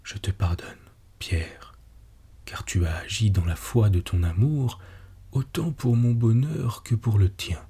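A man voicing a tender, forgiving woman in whispered role-play, soft and breathy. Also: lowish voice, a little slow, exaggerated voice.

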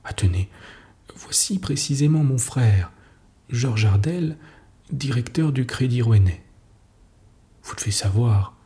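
A man's voice: medium pitch, animated, takes it slowly, pauses often, warm tone. A man reading the part of a distraught, insistent society lady who speaks breathlessly and emphatically. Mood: agitated, insistent.

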